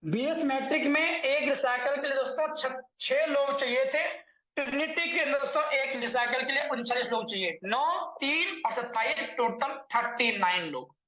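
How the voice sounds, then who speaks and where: A man lays out an earning plan for viewers in a very high-pitched, pushed and bright voice at a normal speed. Calling them friends repeatedly, he corrects himself on the figures as he goes. The recording is echoey, with a dull, lo-fi quality.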